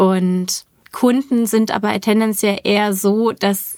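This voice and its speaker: A woman in a very clean recording with a silent background and a dry, close sound with no echo. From eastern Germany. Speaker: documentary photographer. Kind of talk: interview.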